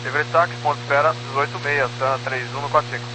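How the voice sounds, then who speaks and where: A man's voice: mid-range voice, steady tone, fast talker. A man speaking as a pilot over a walkie-talkie style aviation radio, giving clipped readbacks. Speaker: pilot on air traffic radio. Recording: very noisy, humming, crackly radio channel.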